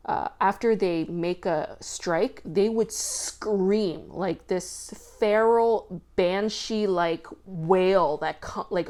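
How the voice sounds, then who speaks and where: A woman hosting a podcast, talking loudly and casually with lots of fillers. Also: lowish voice. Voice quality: loud voice. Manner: chatty, filler-heavy with frequent "like" and swearing. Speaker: podcast host. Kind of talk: casual commentary monologue.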